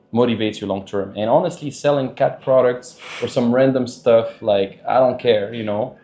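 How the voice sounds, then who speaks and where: A man talking casually as a podcast guest, loose and chatty, laughing often and filling pauses with "like" and "you know". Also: on the low side, dark tone, reverberant. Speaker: podcast guest, dating coach. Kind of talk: casual interview talk.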